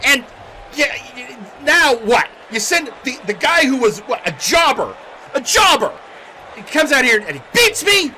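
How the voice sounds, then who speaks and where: A man's voice: extremely high pitch, sing-song, measured pace, sharp tone, a little hiss or hum, pitched above the performer's own voice, heavily acted. A man playing an angry, frustrated wrestler ranting in a promo, stammering with exasperation. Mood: furious, exasperated. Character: furious, frustrated male wrestler ranting in the ring.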